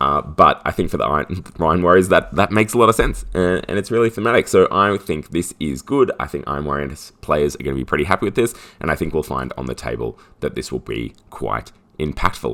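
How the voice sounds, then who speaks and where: With vocal fry and a bright, sharp tone, a man talks fairly quickly at a very deep, low pitch, his pitch swinging very widely. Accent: Australian. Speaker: wargaming content creator. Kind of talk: game rules discussion. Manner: hesitant, many fillers.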